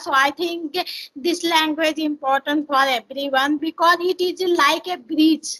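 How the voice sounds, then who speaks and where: A woman's high, raised, projected voice in an Indian accent, bright and sharp in tone, with a dry, close sound and no echo. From North India, Uttar Pradesh. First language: Hindi. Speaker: teacher and English learner. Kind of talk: English conversation practice. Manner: halting.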